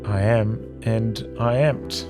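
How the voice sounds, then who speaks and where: A man's voice: on the low side, fairly even intonation, takes it slowly, music in the background. A man reading the part of a weary young student troubled by family in a visual novel. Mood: weary, conflicted.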